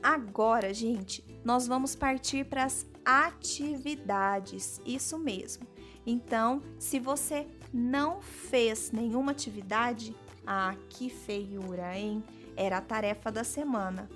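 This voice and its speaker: A young woman with a high voice walks students through a math lesson. She speaks slowly and patiently, explaining each step. She talks to the class directly and keeps a friendly teaching tone. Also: fairly bright tone, soft background music. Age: young adult. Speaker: teacher intern.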